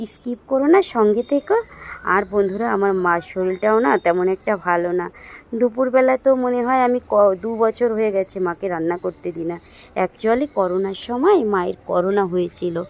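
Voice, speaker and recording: A hoarse woman chatting casually to her viewers as friends while vlogging her day at home. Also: medium pitch, brisk. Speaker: daily-life vlogger. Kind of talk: casual chat to camera. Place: at home, sitting under a ceiling fan.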